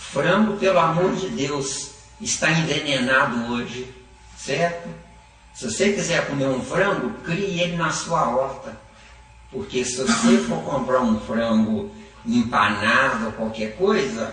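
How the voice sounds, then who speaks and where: A man speaks at a very slow pace with a fairly high pitch and very wide pitch swings. Audible room echo and noticeable background noise fill the recording. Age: 70s. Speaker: spiritist teacher. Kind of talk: Q&A talk. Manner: animated.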